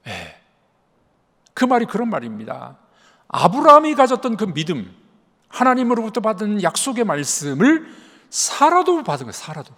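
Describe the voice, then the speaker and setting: A man preaching a Sunday sermon as senior pastor, animated, acting out dialogue and dropping to soft asides. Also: fairly high pitch, vocal fry. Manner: animated, acts out dialogue with God and Sarah. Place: church sanctuary. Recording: long church reverb.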